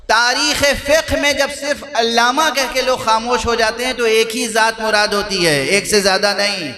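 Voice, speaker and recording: A man preaching a majlis sermon in a hall, putting rhetorical questions to his listeners and repeating key phrases for emphasis. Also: very high-pitched. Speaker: Shia religious scholar.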